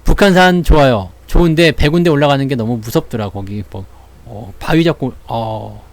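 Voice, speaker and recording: A man's voice: medium pitch, moderate pace, no echo. A man hosting a stock market channel, talking in a casual, playful way and acting out little voices as he chats. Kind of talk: casual chat.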